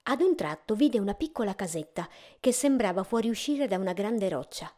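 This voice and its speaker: A woman gently narrating a fairy tale in a measured storytelling way. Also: mid-range voice, expressive.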